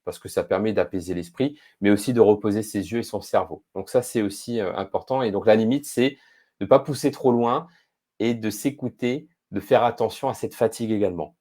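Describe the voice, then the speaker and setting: A man with a fairly low voice and a dark, mellow tone, speaking as a podcast guest. He explains things step by step, pausing often to gather his thoughts. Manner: thoughtful, measured, frequent hesitations. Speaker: podcast guest, speed-reading expert. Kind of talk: casual interview explaining.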